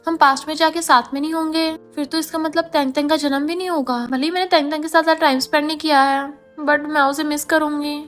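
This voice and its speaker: A woman's voice: high voice, steady tone, fast talker, hardly any pauses, fairly bright tone, faint music behind. A woman voicing a feisty young wife who argues and protests indignantly. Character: feisty young wife, former college student, quick to argue.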